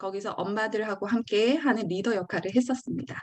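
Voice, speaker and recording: With a slight Daegu accent, a woman speaks at a fairly high pitch. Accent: slight Daegu (Gyeongsang). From Daegu, South Korea. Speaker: author and former Korean-language teacher. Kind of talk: online lecture.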